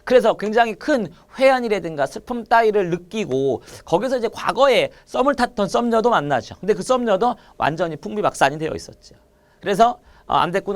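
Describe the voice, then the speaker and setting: Guy teacher w a high voice, really animated, keeps repeating stuff and asking quick questions. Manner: repeats key points, quizzes students with quick questions. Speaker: Korean literature teacher. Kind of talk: online exam-prep lecture.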